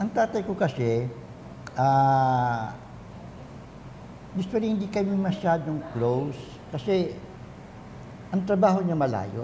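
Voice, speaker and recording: A man with a high pitch and a dark, mellow tone speaks at a very slow pace with very wide pitch swings, long, frequent pauses and audible room echo. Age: 60s. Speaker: guest, senior father. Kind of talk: interview.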